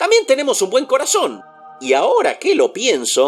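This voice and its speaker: At a moderate pace, the speaker puts on a cartoonish character voice. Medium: puppet.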